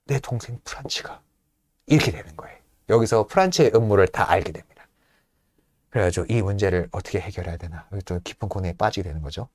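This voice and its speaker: A man hosting a show, retelling a play in a casual, animated storytelling manner from a room at home. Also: low voice, dry recording, studio quality. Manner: animated, acts out lines with laughs.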